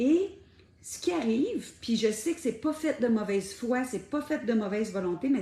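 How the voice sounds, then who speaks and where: Her pitch high and her intonation lively, a woman with a Quebec accent talks at a moderate pace. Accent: Québécois French. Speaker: spiritual speaker. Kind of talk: livestream talk. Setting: live stream. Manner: halting with many fillers.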